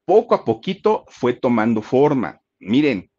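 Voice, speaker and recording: A man with a Mexican accent narrating a story in a casual, animated way, often asking rhetorical questions. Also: mid-range voice, measured pace, lo-fi sound. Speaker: storyteller host.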